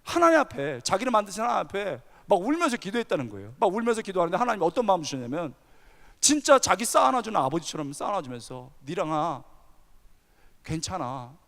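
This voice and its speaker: A male pastor preaching a sermon, telling a story with animated energy and asking the audience questions. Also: high-pitched, rapid-fire, gravelly. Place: large church hall. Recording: long hall reverb.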